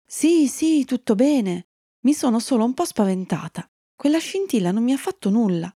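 A woman voicing a gentle, eager young female unicorn in a children's story, speaking sweetly. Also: on the high side, expressive, normal speed, no echo, studio quality, pitched above the performer's own voice.

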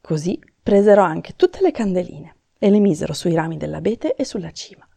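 A woman narrating a children's fairy tale in a calm, gentle storybook manner. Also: fairly low pitch, normal speed, vocal fry, no echo.

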